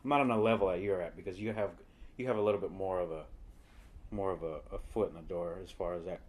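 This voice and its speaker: A man's voice: low voice, steady tone, fast, darkish tone. A young man hosting a casual podcast chat, hesitant and full of fillers and restarts. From Long Island, New York. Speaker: podcast host.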